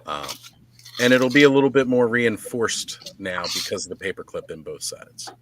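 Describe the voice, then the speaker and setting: A man with a low voice hosts a casual live chat. His recording carries background noise and small clicks. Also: lively intonation, moderate pace, a bit bright. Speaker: live stream host. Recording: noisy live stream with clicks.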